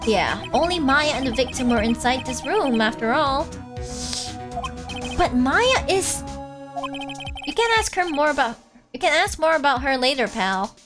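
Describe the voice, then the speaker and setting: A woman voicing a gruff, bossy male police detective in a video game, blunt and officious. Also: sits high, lively intonation, measured pace, pauses often, over music.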